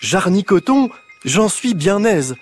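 A man's voice: slow pace, slightly rough, soft background music, full character voice. A man voicing a curious, inventive little girl, eager and full of questions in a storybook reading. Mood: excited. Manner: eager, questioning, bursts of high excitement.

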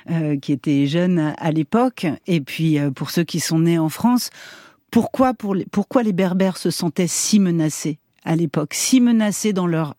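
A woman hosting a radio interview, speaking in a measured way with some fillers. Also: lowish voice, dark tone, no echo, studio quality. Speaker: radio host.

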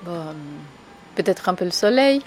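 A woman's voice: on the low side, lively intonation, unhurried, soft background music. A woman from Latin America, interviewed for a documentary, speaking hesitantly with many fillers.

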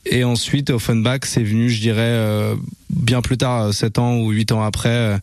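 A young man, a musician guest, answering casually in a relaxed, halting way and repeating words. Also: medium pitch, dry recording.

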